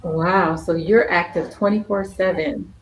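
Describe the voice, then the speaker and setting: A woman voicing a signed introduction and interview as interpreter, speaking slowly in measured phrases. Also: lowish voice, steady tone, a little hiss or hum. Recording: echoey room with faint ambience.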